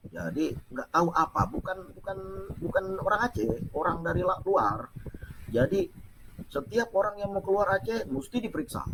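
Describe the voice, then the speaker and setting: A man casually recounting a personal story in a chatty, animated way, laughing now and then. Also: high voice, normal speed, gravelly, background noise.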